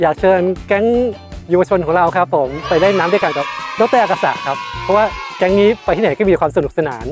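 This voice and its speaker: Over clear music in the background, a man with a high pitch speaks with ordinary pitch variation in a dry sound with no echo. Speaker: voice actor. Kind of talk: interview answer. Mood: cheerful, smiling. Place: home room. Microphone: lapel.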